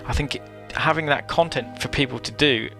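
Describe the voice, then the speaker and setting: Man, gaming video host, opinionated commentary, emphatic, gravelly fry, music in the background. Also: mid-range voice, normal speed. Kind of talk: opinion commentary on an online game. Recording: music behind the voice.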